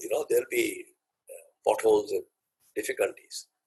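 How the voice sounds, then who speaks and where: With an Indian accent, a man speaks at an extremely high pitch. His pace is moderate and his pitch varies in an ordinary way. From India, Calcutta. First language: Tamil. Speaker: business leader and speaker. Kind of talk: talk to an audience.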